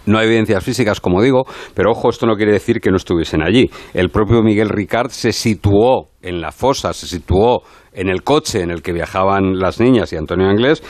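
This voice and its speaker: A man's voice: lowish voice, brisk, darkish tone, no echo. A man reporting on a criminal case, laying out facts and dates methodically.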